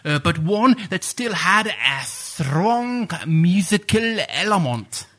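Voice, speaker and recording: In a comedy radio sketch, a man plays a pompous, flustered playwright guest, using a full character voice that's high, very animated, slow, and fairly bright. He hesitates constantly, stammering and filling gaps with "uh"s while reaching for grandiose phrasing.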